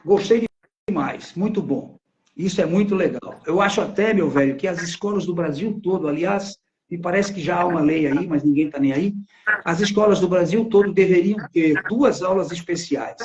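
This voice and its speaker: A man's voice: sits high, normal speed, darkish tone. A middle-aged Brazilian man hosting and coaching in a casual live-stream chat, explaining things in a didactic, colloquial way. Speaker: host and public-speaking coach.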